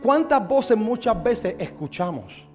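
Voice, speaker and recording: A man's voice: extremely high pitch, very animated, takes it slowly, a little mellow, soft background music. A male pastor preaching a sermon, throwing rhetorical questions at his congregation.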